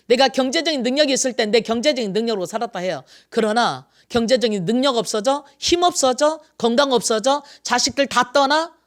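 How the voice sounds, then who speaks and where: A pastor in their sixties delivering a Sunday sermon, asking the congregation rhetorical questions and repeating phrases, rising to loud emphasis and then dropping to quiet asides. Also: medium pitch. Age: 60s.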